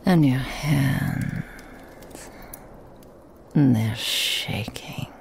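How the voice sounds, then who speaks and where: A woman voicing a seductive, possessive female Krampus demon in a whispered ASMR roleplay, teasing and mocking in an intimate hush. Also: rumbling low, very slow, creaky, slight background noise, heavily acted. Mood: menacing.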